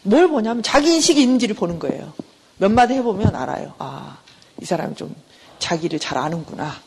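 A middle-aged professor with a creaky, husky, mid-range voice and big pitch swings gives a conversational lecture on counseling at a university. She asks the class questions and answers them herself, acting out brief everyday exchanges in shifting voices. Long reverb from the lecture hall colors the sound.

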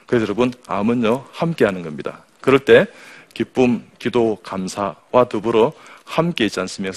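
A man who is a surgeon and professor, giving a humorous health talk to an audience, reeling off rhythmic word lists and coaxing reactions from the crowd. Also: lowish voice. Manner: jokey, rhythmic word lists, quotes patients in their voices.

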